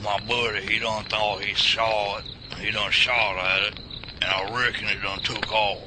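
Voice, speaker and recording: A man voicing a crusty old backwoods veteran with a thick rural Southern drawl, bossy and folksy. His voice sits low, and loud crickets chirp through the night recording. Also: little pitch movement, normal speed, heavy background noise, close to an everyday voice. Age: older. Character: crusty old Southern Vietnam vet, bossy, hard of hearing.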